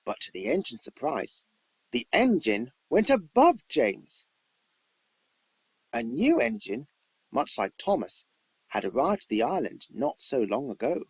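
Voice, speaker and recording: A man's voice: medium pitch, wildly swooping pitch, measured pace, breathy edge, no room sound. A man reading scripted storybook narration as an amateur narrator, with theatrical emphasis.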